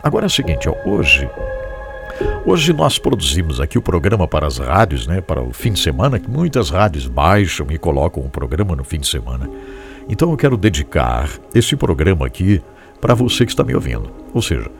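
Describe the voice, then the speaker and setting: Deep gravelly-voiced Brazilian radio host. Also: male voice, fairly quick. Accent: Brazilian Portuguese. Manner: animated and encouraging, repeats phrases. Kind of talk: devotional radio show, addressing listeners. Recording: music playing behind the voice.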